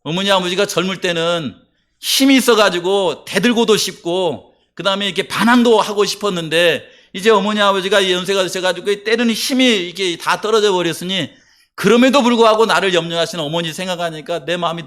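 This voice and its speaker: A man preaching a sermon in a high-pitched voice. He keeps asking his congregation questions and tells stories with emphasis. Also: a bit bright. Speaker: pastor.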